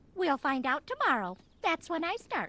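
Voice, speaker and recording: A woman performs a cheerful, cartoonish character voice with very wide pitch swings. The pace is moderate and the sound is dry and close with no echo. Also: extremely high pitch for a woman. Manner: cheerful, sweet.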